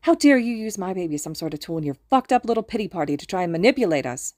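A woman voicing a furious, foul-mouthed woman in an audiobook story, snapping forcefully and emphatically. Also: fairly low pitch, sing-song, moderate pace, no echo, studio quality. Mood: seething, indignant.

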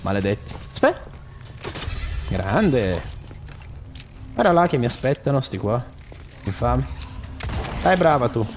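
Young man, gameplay commentary, lively swooping voice, game music playing behind. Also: medium pitch, a little slow, long pauses. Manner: animated, swears often, shouts at enemies, mutters while searching. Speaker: gaming channel host.

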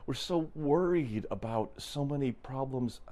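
A man's voice: mid-range voice, expressive, measured pace, warm tone. A man hosting a solo podcast, thinking aloud in a reflective, unscripted way with frequent restarts. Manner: thoughtful, musing, frequent restarts, chuckles. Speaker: podcast host. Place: traveling in an RV.

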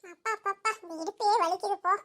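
A woman's voice: steady tone, fast talker. A woman voicing a complaining old village mother-in-law in a cartoon, nagging and scolding her daughter-in-law. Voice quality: very high, bright cartoon voice. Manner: nagging, scolding, keeps calling the other "di". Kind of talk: village cartoon comedy acting.

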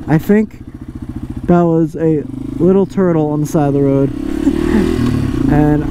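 A motovlogger chatting casually while riding, with a relaxed, rambling way of talking full of fillers, recorded outdoors on a helmet microphone. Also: mid-range voice. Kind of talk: casual riding vlog chat. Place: outdoors, riding a motorcycle on a road. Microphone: helmet-mounted microphone. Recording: road and engine noise behind.

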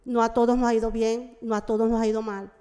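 A middle-aged woman gives a formal speech in a halting Portuguese-mix, stopping often to hesitate. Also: fairly high pitch, little pitch movement, warm tone. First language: Spanish. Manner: mixes Portuguese with Spanish (portunhol). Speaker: representative of a migrant community organization. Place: large wood-panelled legislative chamber, indoors. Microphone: gooseneck desk microphone. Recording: echoey hall with long reverb.

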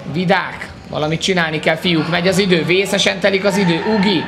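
A man giving excited, exclamatory live commentary on a match. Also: sits high. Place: indoor sports hall. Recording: clearly noisy sports hall ambience. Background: sports hall noise.

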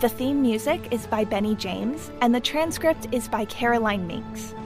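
A woman's voice: on the high side, lively intonation, normal speed. A woman reading scripted credits as the announcer of an audio production. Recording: prominent music under the voice. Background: music.

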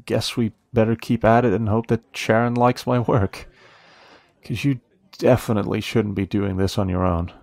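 An actor playing a friendly, protective young café worker in a romance audio roleplay, curious and admiring, gently teasing with hesitant pauses. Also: male voice, on the low side, creaky, no echo. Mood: friendly, helpful. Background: soft guitar music.

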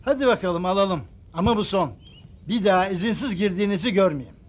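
An actor playing an irritable middle-aged father who owns a holiday home and scolds loudly in a sitcom. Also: high-pitched, brisk. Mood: scolding. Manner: scolding, grumbling. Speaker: annoyed estate resident. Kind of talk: sitcom acting.

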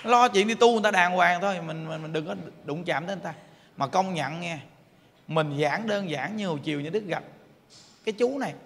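A Buddhist monk with a Southern Vietnamese accent, telling a story in a lively, animated sermon. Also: male voice, high voice, fairly quick. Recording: reverberant hall, faint noise.

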